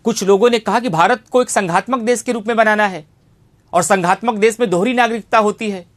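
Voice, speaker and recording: A man's voice: high-pitched, brisk, a bit bright. A man teaching an online civics class, emphatic, repeating phrases and posing rhetorical questions. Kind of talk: online exam-coaching lecture on civics.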